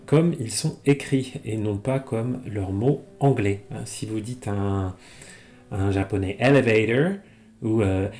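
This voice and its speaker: Calm low-voiced teacher. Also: male voice. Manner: reads Japanese slowly, then explains in French. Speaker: Japanese teacher. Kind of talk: language lesson reading a text aloud.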